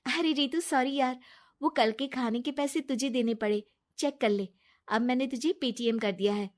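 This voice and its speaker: Cartoon voice: high, earnest young wife, pleading tone, a woman doing it. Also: moderate pace, close to an everyday voice. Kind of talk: cartoon story voice acting.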